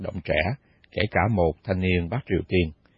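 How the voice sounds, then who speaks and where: Pitched very deep and low, a man talks at a fairly quick pace. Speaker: international organization official. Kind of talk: interview.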